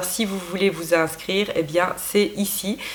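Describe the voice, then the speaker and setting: Animated, a woman talks at a fairly slow pace. Noticeable background noise runs underneath. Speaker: astrologer. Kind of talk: weekly astrology forecast monologue.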